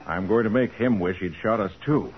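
An actor playing a resolute, fair-minded private detective with an American accent, firm and earnest in 1940s radio style. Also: male voice, on the low side, normal speed, slightly rough. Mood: grimly determined. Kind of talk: 1940s radio drama acting. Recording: muffled vintage 1940s radio recording.

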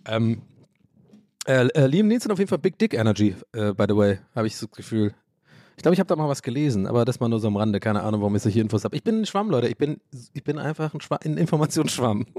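A man's voice: medium pitch, sing-song, quick pace, warm tone, dry recording. A man from Ireland hosting a podcast, rambling and joking in casual chat, swearing and mocking himself. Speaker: podcast host.

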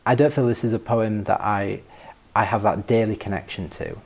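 A man in reflective personal conversation as an interview guest, thoughtful and halting, often repeating words. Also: lowish voice, steady tone.

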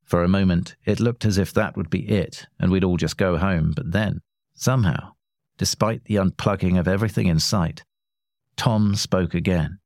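A man narrating a short story in a measured, wry way. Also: sits low, a little mellow, no room sound, clean studio sound.

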